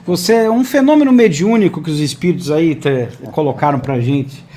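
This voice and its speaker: A man's voice: a little high, lively intonation, brisk, mellow. Friendly male host on a video call. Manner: friendly, chatty, asks viewers to engage. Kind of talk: live online interview.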